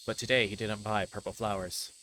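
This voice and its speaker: A man's voice: on the low side, steady tone, brisk, bright, forceful tone, slight background noise, rough recording. A man livestreaming a visual novel, reading its narration aloud and tripping over words now and then. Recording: music playing behind the voice. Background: game music.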